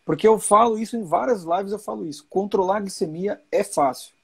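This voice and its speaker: A man's voice: sits high, a little fast, gravelly, a bit bright, breathy edge. A man in his forties hosting a live chat, explaining with reassurance and repeating key points. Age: 40s. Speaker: host.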